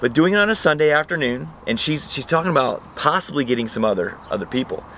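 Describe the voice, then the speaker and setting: A man talks at a very fast pace with lively intonation. The sound is dry with no echo, over light background noise. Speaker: nonprofit vlog host. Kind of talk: casual vlog chat. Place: garden.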